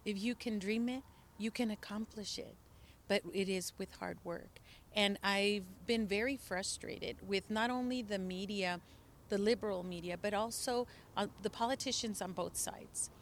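A woman's voice: medium pitch, moderate pace. Middle-aged woman, native Spanish speaker, from a border city, emphatic and earnest, outdoor interview, faint ambient noise. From El Paso, Texas border region. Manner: earnest, emphatic, some restarts. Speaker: interview guest. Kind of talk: impassioned political testimony.

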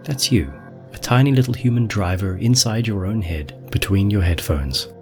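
A man's voice: fairly low pitch, normal speed, darkish tone. A man narrating a scripted guided visualization, speaking directly to the listener in an instructive way. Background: music.

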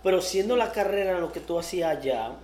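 A woman's voice: on the low side, lively intonation, fast, darkish tone. A woman born in the United States hosting a casual interview, often repeating words and laughing easily. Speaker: podcast host. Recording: echoey room with faint noise.

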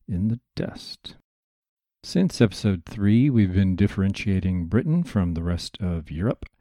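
A man's voice: low voice, warm tone, dry recording, studio quality. A man hosting a history podcast, narrating from a script in a chatty, digressive lecturing manner with asides to listeners.

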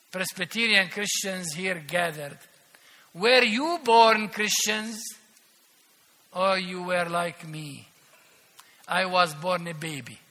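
An older man delivers a sermon at a slow, deliberate pace, his voice high and very bright. He leans on emphasis and dry irony, and the sound rings out with a long reverb from the church hall. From Palestine. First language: Arabic. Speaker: archbishop preaching as guest. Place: large church.

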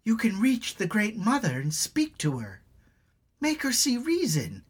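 A young tribal woman from a spoken storybook, grieving and desperate, voiced by a man. Her pleas rise high and swing wildly, climbing toward shrill cries. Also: huge pitch swings, a little slow, breathy edge, exaggerated voice. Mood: pleading. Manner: pleading, rising to shrill cries.

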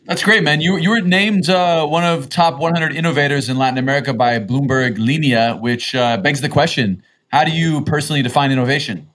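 A man's voice: on the high side, a little fast, hardly any pauses, a bit bright. A man co-hosting a podcast, reading a polished introduction of the guest and asking questions. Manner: polished, read-aloud introduction. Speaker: podcast co-host. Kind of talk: scripted intro then interview questions.

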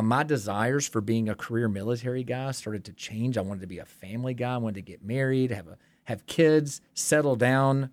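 A man's voice: mid-range voice, a little mellow, dry recording. Man, pastor, podcast guest, dry close sound, candid storytelling. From Tennessee, USA. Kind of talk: interview guest telling his story.

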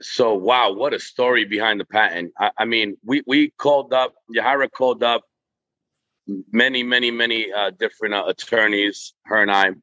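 Guy cofounder, sharp bright voice, stumbles with ums, dry flat sound. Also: fairly low pitch, no room sound, lo-fi sound. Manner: halting, many fillers and restarts. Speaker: business co-founder guest. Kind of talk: casual interview talk.

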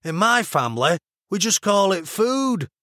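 A man's voice: sits high, very animated, unhurried, a bit bright, dry recording, clean studio sound, voice pushed up, full character voice. A man voicing a laid-back, sardonic bloke with a Mancunian accent, over-enunciated vowels and a blunt, half-hearted manner in an audiobook.

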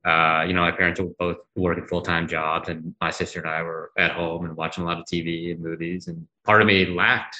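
A man in his thirties from Massachusetts, a guest answering thoughtfully with many pauses and fillers. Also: low voice, level tone, bright, forceful tone, rough recording. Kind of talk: conversational interview.

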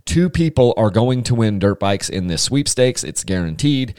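A man's voice: fairly low pitch, lively intonation, moderate pace, a little mellow, clear, resonant tone, dry recording, studio quality. A man hosting a casual solo podcast, chatty and enthusiastic, rambling with frequent restarts. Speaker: podcast host.

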